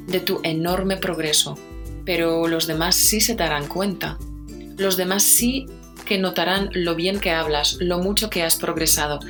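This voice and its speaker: A woman with a Spanish accent from Spain, hosting a language-learning podcast and explaining things clearly and slowly. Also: lowish voice. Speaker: Spanish teacher and podcast host.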